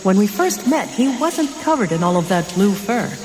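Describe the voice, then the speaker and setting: Woman playing animated, reassuring superhero mentor. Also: medium pitch, moderate pace, a little hiss or hum, lightly acted. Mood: composed, reassuring. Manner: explanatory, reassuring. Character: calm, reassuring female telepathic superhero mentor. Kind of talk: audio drama acting. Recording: clear outdoor jungle sound effects.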